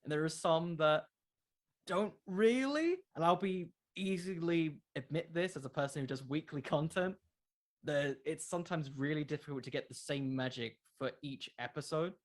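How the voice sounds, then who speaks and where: A man's voice: on the high side, normal speed. Earnest man explaining in casual interview chat. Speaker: podcast creator, interview guest.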